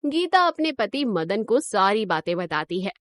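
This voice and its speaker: A woman giving scripted narration for a cartoon moral story in an even storytelling manner. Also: medium pitch, a little slow, no room sound.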